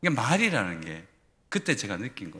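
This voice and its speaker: A man talks at a fairly quick pace with vocal fry. The recording is very clean, with a silent background. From South Korea, Gimcheon (North Gyeongsang). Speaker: pastor. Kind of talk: sermon. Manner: speeds up when excited.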